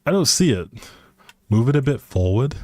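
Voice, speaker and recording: A man's voice: medium pitch, sing-song, moderate pace, darkish tone, dry recording, clean studio sound. A man chatting casually on a game stream, musing aloud over small choices and answering his viewers. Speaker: live streamer. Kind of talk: casual chat while playing a building game on stream.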